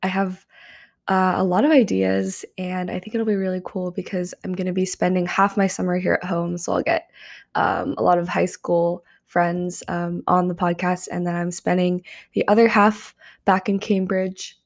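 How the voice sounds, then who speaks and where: A woman's voice: fairly low pitch, moderate pace, vocal fry. A young adult woman hosting her own podcast, talking casually with frequent ums, her voice slightly strained. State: slightly strained voice after karaoke. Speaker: podcast host. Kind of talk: solo podcast monologue.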